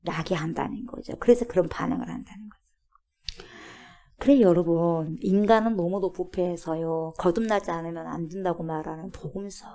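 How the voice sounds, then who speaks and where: A woman's voice: lowish voice, steady tone, moderate pace, mellow. Woman pastor preaching with whispered asides. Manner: emphatic preaching, rhetorical questions to the congregation, sudden drops to a whisper. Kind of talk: sermon. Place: church.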